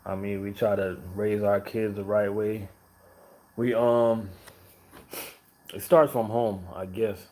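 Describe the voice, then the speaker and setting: A man's voice: on the low side, flat delivery, takes it slowly, pauses often, darkish tone. A laid-back man from Jamaica, chatting casually and rambling to viewers on a live stream, full of fillers and repeated questions to his audience. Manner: laid-back, rambling, many fillers and "you know what I mean".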